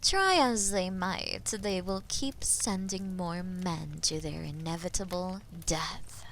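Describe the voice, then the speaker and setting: A woman voicing a haughty, menacing female dragon in a fantasy audio roleplay, taunting and condescending, with a breathy voice that often drops toward a whisper. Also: fairly low pitch, a bit bright, slight background noise. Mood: disdainful. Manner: taunting, condescending, theatrically slow and deliberate. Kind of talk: scripted fantasy audio roleplay addressed to the listener.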